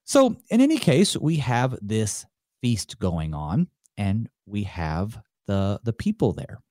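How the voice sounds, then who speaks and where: A man leads a Bible study on his own, speaking as a pastor in a loose, conversational way. His voice sits a little low and warm, and it rises and falls with animation as he muses aloud and chuckles. The sound is close and dry. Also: big pitch swings, slow, no echo. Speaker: pastor and host. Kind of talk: solo Bible study teaching.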